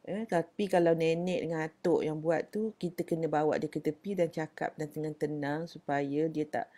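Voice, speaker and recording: A middle-aged Malaysian woman hosting a casual parenting talk, giving gentle advice in Malay mixed with English and answering viewers' questions. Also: low-pitched.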